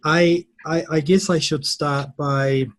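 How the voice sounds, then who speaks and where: A middle-aged man from New Zealand, a university English teacher, answering interview questions slowly and thoughtfully, with many pauses. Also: on the high side, fairly even intonation, a bit bright, no room sound, low-quality recording.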